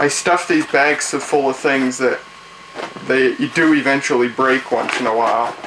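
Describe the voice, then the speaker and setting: The pace is moderate. Noticeable background noise comes through. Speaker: vintage camcorder hobbyist vlogger. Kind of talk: casual vlog monologue. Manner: casual, rambling, self-interrupting.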